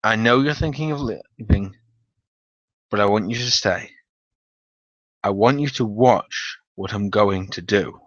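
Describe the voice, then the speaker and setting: A man's voice: fairly low pitch, measured pace, pauses often, a bit bright. A man voicing a sleepless, intense gamer grimly set on revenge, grave and dramatic, in a story reading. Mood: grim, calm. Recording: dull, roomy home recording.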